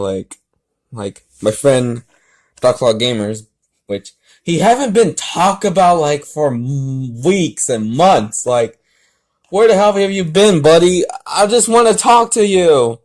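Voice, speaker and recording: Rambling, halting man vlogging. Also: mid-range voice, expressive, a little mellow. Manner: rambling, halting, often restarting sentences. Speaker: host of fan fiction reading videos. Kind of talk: casual rambling vlog talk and fan fiction read-aloud.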